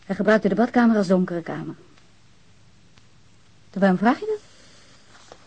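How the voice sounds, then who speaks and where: A prickly, wounded woman in mourning in a radio drama. Her middle-pitched voice is a little husky, and she speaks curtly, defensive and sarcastic. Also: very animated, measured pace, a little mellow, highs cut off, exaggerated voice. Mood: subdued. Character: defiant, grieving bereaved woman, prickly and wounded. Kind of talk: Dutch radio drama acting.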